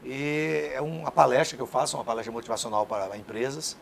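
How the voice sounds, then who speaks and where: A man, a comedian, chatting quickly as a guest and laughing along at his own jokes. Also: medium pitch, steady tone, gravelly, slight background noise. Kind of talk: talk show conversation.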